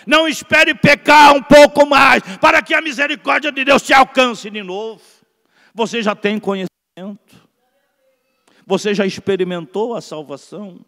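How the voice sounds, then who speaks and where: Older brazilian preacher man, bright ringing voice, shouting then going quiet, big reverby church. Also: extremely high pitch, steady tone, moderate pace. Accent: Brazilian Portuguese. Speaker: pastor. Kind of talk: Pentecostal sermon. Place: large church sanctuary at a pulpit. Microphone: pulpit microphone. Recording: long reverb of a large church.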